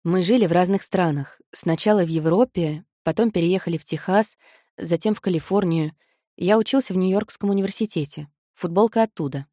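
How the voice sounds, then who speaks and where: A woman putting on a calm, teasing young man. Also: on the low side, fairly quick, no room sound, clean studio sound, natural voice. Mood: relaxed. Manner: soft, easygoing, lightly amused. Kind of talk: audiobook character voice.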